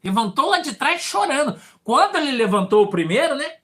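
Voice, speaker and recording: Man, Brazilian Portuguese accent, pastor, sermon testimony, animated storytelling, hushed asides and shouts. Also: very high-pitched, brisk.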